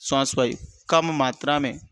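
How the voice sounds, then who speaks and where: With a mid-range, steady, fairly bright and clean voice at a moderate pace, this male teacher leads an exam-prep grammar lesson. Repetition is constant; he questions the class, answers himself, and calls the students brother.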